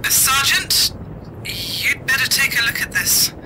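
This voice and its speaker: A woman playing a brisk military pilot making announcements. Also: high-pitched. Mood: brisk, alert. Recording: distant voice over vehicle noise.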